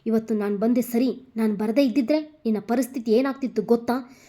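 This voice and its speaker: A woman voicing an angry young man who harshly lectures a girl in quick, loud bursts. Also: fairly high pitch, steady tone, natural voice. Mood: angry scolding.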